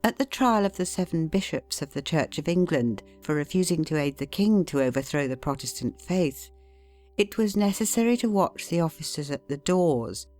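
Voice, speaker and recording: Low-voiced woman reading an audiobook. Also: a little mellow. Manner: measured, deliberate reading with emphatic pauses. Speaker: audiobook narrator. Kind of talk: scripted narration of a classic self-help book.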